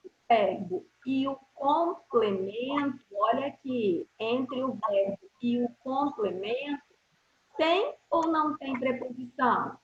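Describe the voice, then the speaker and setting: A Brazilian woman teaching grammar to schoolchildren in an online class. Her fairly high voice moves at a very slow, deliberate pace, and she keeps checking whether the class follows. The sound is roomy and a little dull, as over a video call. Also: animated, a little hiss or hum. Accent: Brazilian Portuguese. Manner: slow, deliberate explaining with frequent check-in questions.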